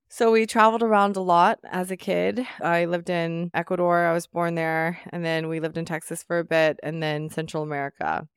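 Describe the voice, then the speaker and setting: A woman in her thirties, an interviewee reflecting on her past in a calm, measured, storytelling way. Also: deep voice, clear, resonant tone, no room sound, studio quality. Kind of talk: casual interview.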